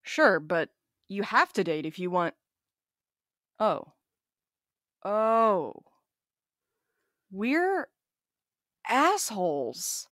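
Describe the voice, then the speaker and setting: A woman playing a blunt, sarcastic, sweary courier with a soft side in an audio drama, wry and casual. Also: mid-range voice, big pitch swings, very slow, long pauses, dry recording, clean studio sound, heavily acted. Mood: amazed. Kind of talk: scripted audio drama acting.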